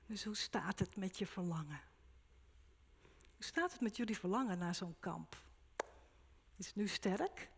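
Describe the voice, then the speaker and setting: A woman's voice: medium pitch, animated, unhurried, creaky, pauses often, in a large hall, slight background noise. A woman preaching a sermon at a church service, speaking in short, emphatic, repeated phrases.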